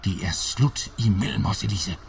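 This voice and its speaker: A man voicing a feverish, delirious army major who pleads and shouts in agitation. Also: on the low side, creaky, far from the mic, a little hiss or hum. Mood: agitated.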